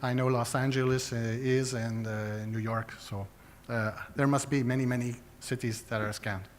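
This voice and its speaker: A man's voice: medium pitch, fairly even intonation, normal speed. Guy from quebec answering a question at a conference, lots of uh and um, faint room noise. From Quebec, Canada. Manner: hesitant, many fillers. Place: conference hall.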